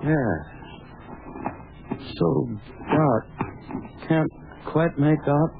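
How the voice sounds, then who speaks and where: A man's voice: a little high, steady tone, very slow, creaky, exaggerated voice. A haunted, anguished radio-drama man. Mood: tense. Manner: brusque, then anguished and breathless. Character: gruff, impatient man driven to horror and grief. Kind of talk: 1940s radio acting. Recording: scratchy tinny old radio broadcast.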